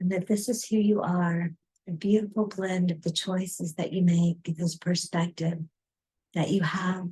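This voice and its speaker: Somewhat breathy and dark, mellow in tone, a woman speaks at a fairly low pitch with monotone, flat intonation and a fairly slow pace. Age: 60s. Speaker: meditation guide. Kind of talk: guided meditation.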